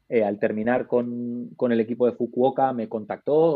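A man speaks with a Basque accent. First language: Basque (speaking Spanish). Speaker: basketball coach. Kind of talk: casual interview.

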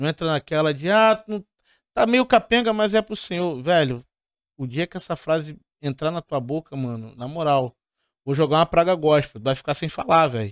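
On a very clean recording with a silent background and a dry, close sound with no echo, a man with a plain, everyday voice speaks at a moderate pace with a fairly high pitch and lively intonation. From Rio de Janeiro favela. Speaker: drummer and gospel musician. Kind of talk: casual chat.

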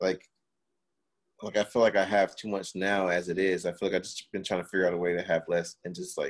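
A man's very deep, low voice with an American accent, fairly quick and monotone, with flat intonation. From Miami, US. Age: 30s. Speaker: podcast guest. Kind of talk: casual chat. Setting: video call.

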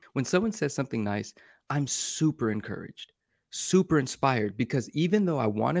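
A man with an American accent and an unremarkable speaking voice, lively intonation and a fairly quick pace, on a very clean recording with a silent background and a dry, close sound with no echo. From US West Coast, San Francisco Bay Area. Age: 30s. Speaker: podcast co-host and YouTube show panelist. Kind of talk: casual chat.

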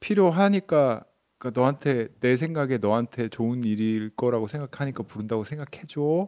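Pitch swinging very widely, a man keeps a moderate pace as he talks. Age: 40s. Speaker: YouTuber and company boss. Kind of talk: casual chat.

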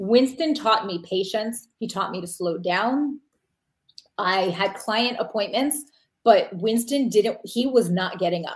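A woman with a New York accent speaks in a fairly high, somewhat breathy voice. Her intonation is lively, and her loudness swings widely. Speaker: dog rescue advocate. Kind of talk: interview testimony. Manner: fast.

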